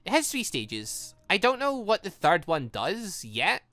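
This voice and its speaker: A man's voice: high voice, huge pitch swings, measured pace, bright, forceful tone, no room sound, full character voice. A man voicing a guarded, dutiful young male student team leader in a visual novel, speaking plainly and carefully. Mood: reluctant, firm. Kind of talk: visual novel character reading.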